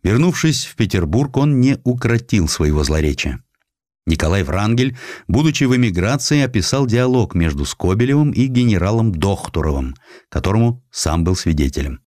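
A man with a fairly low voice narrates a historical tale in a dry, close recording. His delivery is expressive storytelling with very lively intonation, shaped like a dramatized audiobook. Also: moderate pace, dry recording. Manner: expressive storytelling with acted quotations.

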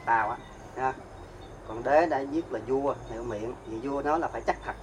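A man's voice: medium pitch, fairly quick, noisy background. A man, a Buddhist monk, giving a dharma talk, questioning his listeners and explaining terms one by one. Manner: asks the audience questions and answers himself; explains terms step by step, recites verse.

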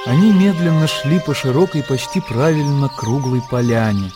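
Calm male narrator over music. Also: medium pitch. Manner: calm, measured storytelling. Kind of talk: radio drama narration.

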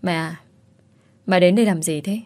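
A woman's voice: on the low side, normal speed, a little mellow, dry recording, close to an everyday voice. Woman doing a curt, bitter young wife. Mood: weary. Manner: curt, weary.

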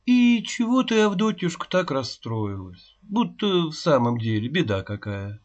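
A man voicing a gentle, persuasive woman official who speaks softly and coaxingly. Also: low voice, big pitch swings, a little slow, voice pushed up, exaggerated voice. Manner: soft, coaxing. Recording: dull lo-fi recording.

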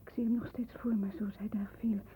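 An actress playing a frightened, devoted young woman in a 1960s radio play, breathy, hushed and anguished, on a muffled old recording. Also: mid-range voice, flat delivery, fairly quick. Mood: frightened whispering. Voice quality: breathy, husky.

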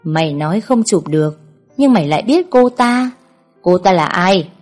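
A woman reading a cold young gang boss, calm, curt, commanding, lowish voice, faint music underneath. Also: moderate pace. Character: cold ruthless young male crime boss.

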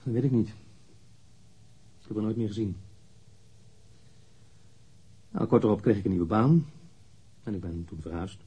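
An actor playing a blunt, candid man in his thirties, a witness answering police questions matter-of-factly in a husky voice in a radio drama. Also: fairly low pitch, fairly quick, warm tone, highs cut off. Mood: candid, subdued. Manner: matter-of-fact, precise, blunt. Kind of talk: radio drama interrogation acting.

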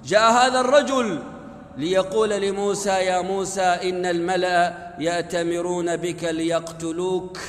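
A man's voice: high-pitched, fairly even intonation, normal speed. A man preaching a Friday sermon, telling a story dramatically and voicing the characters' lines. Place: mosque. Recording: echoey hall, long reverb.

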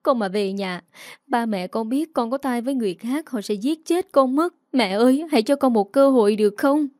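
A woman doing a young wife in a storybook, high voice, pleading through tears, warm tone. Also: normal speed, no echo, studio quality, lightly acted. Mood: desperate. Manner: sobbing, begging.

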